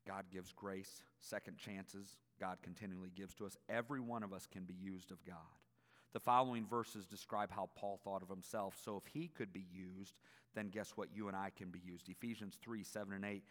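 A man's voice: deep voice, fairly even intonation, moderate pace. A man preaching a church sermon as a guest, with an emphatic delivery. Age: 40s. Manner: emphatic, swinging from quiet asides to loud exclamations. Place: church auditorium. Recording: long echo of a large hall.

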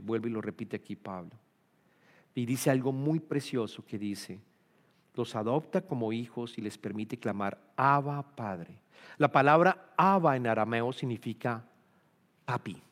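A male preacher delivers a sermon in a church hall, pressing his key points with emphatic, swelling peaks. His voice sits in a middle register. A long reverb trails every phrase. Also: mid-range voice.

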